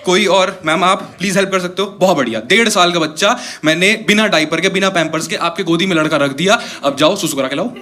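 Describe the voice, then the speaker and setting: Man, stand-up comedian, live stage set, high voice, animated storytelling, loud audience laughter. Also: quick pace, hardly any pauses. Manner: animated storytelling, mixing Hindi and English, talking to the audience. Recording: stage mic with crowd laughing.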